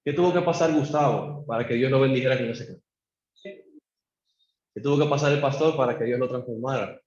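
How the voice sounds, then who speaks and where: A man's voice: normal speed, a little mellow. A man preaching a sermon in church, acting out pleading prayers and leading the congregation in call-and-response. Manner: acts out a believer's pleading prayers to God. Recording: echoey church room, dull low-fi sound.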